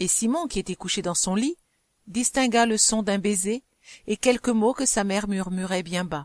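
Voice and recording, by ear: Reading aloud in a natural voice, with ordinary pitch variation, over a quiet background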